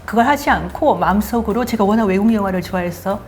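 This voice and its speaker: An older woman hosting her own show, telling her life story in a lively, self-mocking way. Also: mid-range voice, quick pace, slight background noise. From Daegu, South Korea. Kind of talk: casual storytelling chat.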